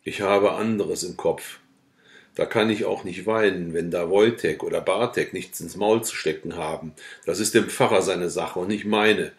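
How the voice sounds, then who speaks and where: A hard old farmer refuses to budge, blunt and unmoved, in a low-voiced man's plain reading. The tone is firm and deep, hardly acted. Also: normal speed, close to an everyday voice. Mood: stubborn. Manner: blunt, stubborn.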